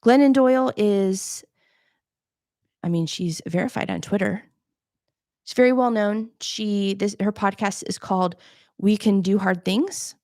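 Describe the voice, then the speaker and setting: Casting: soft-spoken woman coach, slight fry, close dry mic, casual livestream tutor. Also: mid-range voice, a little slow, pauses often, no room sound. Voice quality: soft-voiced. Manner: chatty, demonstrating gear on camera. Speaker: podcast coach hosting a live Q&A. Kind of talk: casual live-stream tutorial.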